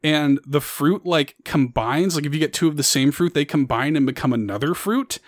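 A man's voice: a little high, normal speed, dry recording. A man hosting a podcast, chatting casually and rambling with lots of fillers. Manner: rambling, many fillers, upbeat. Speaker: podcast host.

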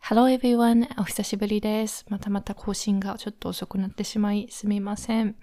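A woman from Japan hosts her own podcast in a casual, chatty way. She rambles comfortably, padding her talk with soft fillers. Her pitch sits in an ordinary middle range. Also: level tone, brisk, faint music behind. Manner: chatty and friendly, with frequent fillers. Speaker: podcast host. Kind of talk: casual solo podcast chat.

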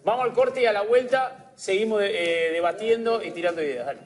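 A man with a Rioplatense Spanish accent hosting a TV panel, trying to calm things with hesitant fillers. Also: high voice, brisk, soft background music. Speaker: TV show host. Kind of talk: moderating a TV panel.

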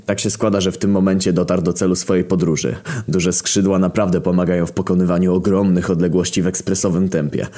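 Young guy w a really deep voice telling a filthy funny story, brash and snarky. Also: level tone, fast talker, hardly any pauses, dark tone. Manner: brash, profane and sardonic. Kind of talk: crude comedic story narration.

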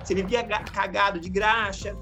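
A man in his late forties with a Rio de Janeiro Brazilian accent, telling his story as a podcast guest in a relaxed way, full of slang and laughter. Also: sits high, moderate pace, soft background music. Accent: Rio de Janeiro Brazilian Portuguese. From Araruama, Rio de Janeiro state, Brazil. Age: 40s. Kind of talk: casual storytelling interview.

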